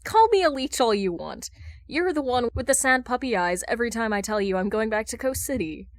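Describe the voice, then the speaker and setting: Woman as exasperated superhero boyfriend, stammering, defensive, raised pitch, dry close sound, audiobook dialogue. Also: expressive, brisk, no room sound. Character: flustered, exasperated adult man, superhero in love. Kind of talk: fan fiction audiobook dialogue.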